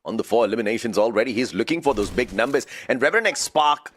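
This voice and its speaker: A man's voice: medium pitch, lively intonation, quick pace, a bit bright, slight background noise. A man working as an esports caster, giving live play-by-play commentary on game action. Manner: esports caster delivery, narrating the action with exclamations.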